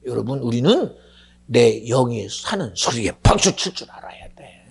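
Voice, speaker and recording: A male pastor preaching a sermon in a gravelly, very raspy voice, dropping to hushed whispers and then rising to shouts. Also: mid-range voice, sing-song, normal speed.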